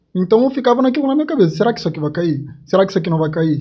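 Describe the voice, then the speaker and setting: The man speaks at a high pitch. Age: 20s. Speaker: bank employee. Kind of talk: interview.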